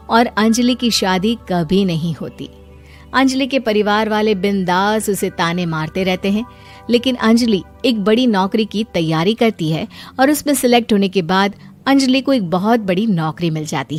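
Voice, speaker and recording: A woman giving scripted narration for an animated moral story. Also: medium pitch, moderate pace, soft background music.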